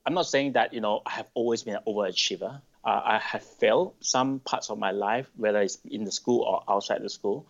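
A middle-aged man from Malaysia, answering interview questions thoughtfully, with pauses and restarts. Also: lowish voice. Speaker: podcast guest. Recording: dull lo-fi sound.

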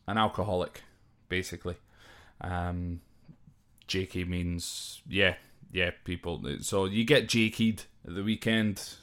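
Here a Scottish man with a low, slightly bright, clean-toned voice hosts a podcast. He goes down a list of slang terms, explaining them casually and hesitantly on the spot, now and then spelling a word out.

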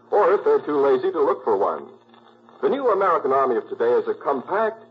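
A man's voice: on the high side, husky. A man reading a script as a formal, emphatic 1940s radio announcer. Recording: dull 1940s radio recording.

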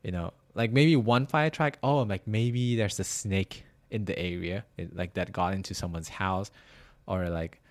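A young man from Malaysia telling a story in casual chat, animated and full of "like", with bursts of loud laughter. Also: deep voice, measured pace.

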